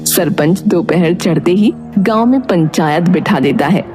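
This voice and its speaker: A woman's voice: on the low side, animated, a little slow. A woman reading scripted narration of a dramatic moral story. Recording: music under the voice. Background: music.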